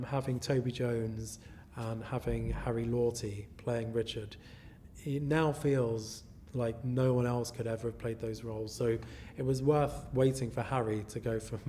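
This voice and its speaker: Mellow-voiced man reflecting calmly. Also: medium pitch, slight background noise. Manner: reflective, measured. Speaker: producer and writer. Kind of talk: relaxed interview talk.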